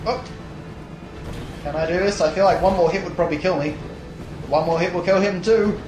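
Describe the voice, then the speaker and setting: A young man with a slightly high, tired and hoarse voice talks through his gameplay in a loose, rambling way, full of ums and restarts. His voice bounces around an echoey room, and loud game music plays underneath. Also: a little fast. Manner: rambling, many fillers and restarts. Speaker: let's play host. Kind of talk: casual gameplay commentary.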